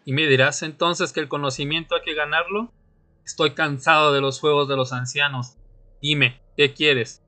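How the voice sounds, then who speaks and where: A man's voice: fairly high pitch, steady tone, moderate pace, bright, forceful tone. A man playing a weary but insistent fledgling vampire in a radio drama, dramatic and searching in his delivery. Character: young male vampire seeker, weary and insistent. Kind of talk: radio drama acting with narration.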